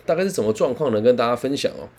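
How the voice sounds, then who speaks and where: A man, a career counselor telling a story in an animated, conversational way. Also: mid-range voice, very fast. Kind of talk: storytelling talk.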